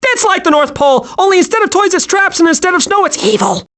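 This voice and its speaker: Scatterbrained kiddy squirrel for a cartoon game, super high, voice jumping all over. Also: male voice, fast, full character voice. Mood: cheerful, naive. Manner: excitable, naive, wide-eyed. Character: hyperactive, childlike, scatterbrained young male squirrel. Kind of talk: animated video game voice acting.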